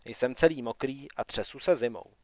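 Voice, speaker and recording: Brief: man doing a sardonic young wanderer for an audiobook, low-key, softly grumbling, dry sound. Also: no room sound, close to an everyday voice. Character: wry wet young male wanderer, sardonic.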